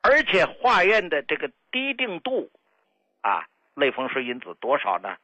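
Older man, husky, swooping folksy storyteller. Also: on the high side, wildly swooping pitch, measured pace, pushed and bright, dry recording. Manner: folksy, dramatic swings in voice. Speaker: traditional Chinese medicine doctor on a radio health show. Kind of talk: storytelling health talk. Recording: dull lo-fi radio broadcast.

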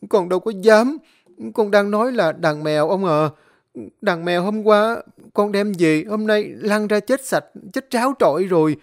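A man's voice: high voice, no room sound, studio quality, voice pushed up. A man voicing a terrified young male servant who stammers and pleads, in a spoken horror story.

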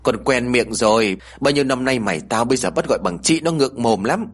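A man voicing a short-tempered young mother in a ghost story, yelling harsh scolds at her children. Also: mid-range voice, fairly quick, breathy edge, close to an everyday voice. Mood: sharp.

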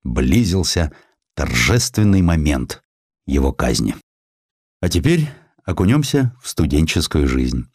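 A man with a deep, low voice narrates historical prose like a literary audiobook. His delivery is measured and expressive, with a dramatic storyteller's shaping. The sound is dry and close, free of room echo. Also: husky.

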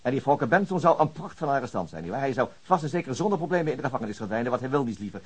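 An actor playing a dogged, weary, principled police detective in a Dutch radio drama, dry and stubborn in manner. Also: male voice, medium pitch, big pitch swings, very fast, breathy edge. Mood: stubborn, irritated.

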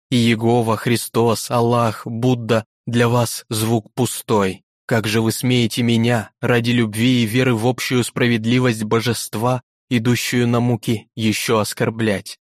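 A man's voice: mid-range voice, no echo, studio quality, lightly acted. A man voicing a proud, defiant young woman on trial, speaking with indignant passion in a storybook reading.

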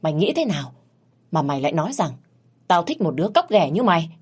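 A woman's voice: sits low, big pitch swings, fast, darkish tone, slightly rough, exaggerated voice. A woman voicing a furious older man, master of the house, who scolds harshly in a told story.

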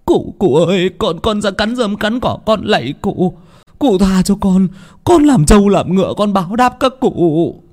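A man's voice: high-pitched, lively intonation, unhurried, darkish tone, voice pushed up. A man voicing a terrified young male servant who stammers and begs for mercy. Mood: pleading. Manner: stammering, pleading.

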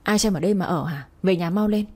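A woman's voice: lowish voice, quick pace, mellow, breathy edge. A woman voicing a stern young man who keeps scolding and urging his girlfriend, in a storybook reading. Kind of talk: storybook narration.

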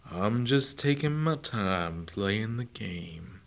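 A man voicing a slow, laid-back male tortoise who drawls his words. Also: lowish voice, animated, creaky, heavily acted. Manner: drawling, unhurried, whispery.

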